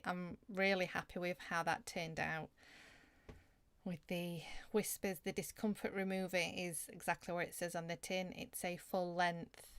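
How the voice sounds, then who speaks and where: A woman's voice: lowish voice, fairly bright tone, clean tone, no room sound. A woman hosting a casual, informal chat with her followers. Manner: chatty, informal. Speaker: host, hypnosis audio creator.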